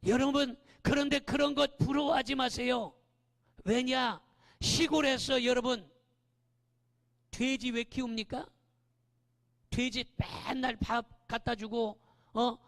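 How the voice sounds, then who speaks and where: This pastor's very high, creaky voice rings through a church sanctuary with long reverb as he preaches lively and animated. He often shouts and repeatedly prods the congregation with "eh?".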